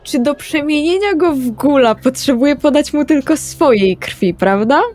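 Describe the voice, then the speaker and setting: A woman's voice: high voice, lively intonation, normal speed, a little mellow. Woman playing an RPG over music. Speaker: tabletop RPG player. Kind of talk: in-game player talk, stating actions. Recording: background music under the voice.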